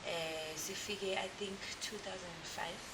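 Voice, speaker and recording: A woman's voice: mid-range voice, a little slow. South African woman, hissy recording. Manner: relaxed, laughs often, lively storytelling. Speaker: guest, gospel singer. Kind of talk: casual interview chat, mixing Zulu and English. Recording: hissy background noise.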